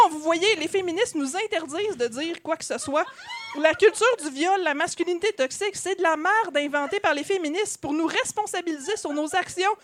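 A woman's voice: extremely high pitch, a bit bright, a little hiss or hum. A woman with a Québécois accent voicing a pompous, blustering male reactionary magician in a comic radio story. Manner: blustering, ranting, self-promoting.

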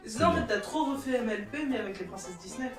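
A woman's voice: on the high side, animated, fast talker. A woman chatting casually and teasing with eager questions. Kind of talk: casual blooper chat. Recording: distant echoey mic with loud music.

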